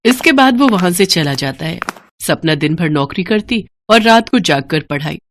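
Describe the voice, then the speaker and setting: A woman's voice: lowish voice, lively intonation, moderate pace, a little hiss or hum. A woman storyteller reading a scripted tale as narrator.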